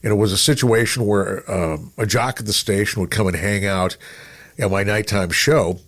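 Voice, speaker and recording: A man's voice: on the low side, normal speed, a bit bright. A mature man, a veteran radio personality and podcast guest, casually telling anecdotes and acting out his own lines. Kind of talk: casual conversational storytelling.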